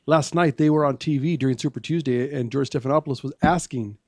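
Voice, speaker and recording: A man's voice: mid-range voice, darkish tone, no echo. A man co-hosting a talk radio show, explaining and arguing his political points at length. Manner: explaining, argumentative, measured. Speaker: co-host.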